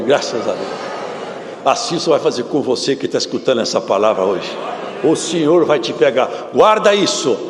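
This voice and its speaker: Middle-aged male preacher, high and gravelly, fervent sermon delivery in an echoey church hall. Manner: fervent, swings from shouting highs to low murmurs; acts out quoted dialogue in his story.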